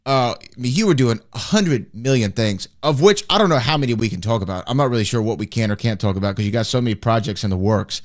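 A man's voice: mid-range voice, lively intonation, fast talker, hardly any pauses. A man co-hosting a sports radio show, teasing his partner in casual banter. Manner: teasing, joking. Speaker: radio co-host.

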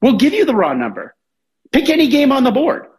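A radio host pitching a sports betting advice line, talking straight to the listener. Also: huge pitch swings, fairly quick, a little mellow. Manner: direct, talks straight to the listener. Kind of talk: sales pitch for betting service.

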